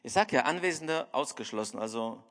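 A middle-aged man preaching a sermon, telling a story and speaking straight to the listener, with wide swings in loudness and pitch. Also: lively intonation, fairly quick. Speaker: pastor. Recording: long hall reverb.

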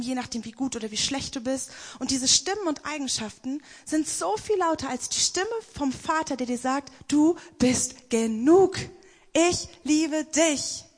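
A young woman giving an emphatic spoken-word devotional testimony. She slows right down for the lines she quotes. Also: high-pitched.

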